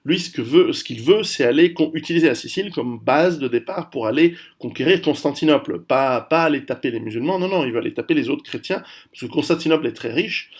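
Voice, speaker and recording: Speaking briskly with hardly any pauses, a man of Italian heritage talks to camera on his own video channel, giving a casual history lesson littered with fillers and restarts. His voice is a little high, husky and expressive.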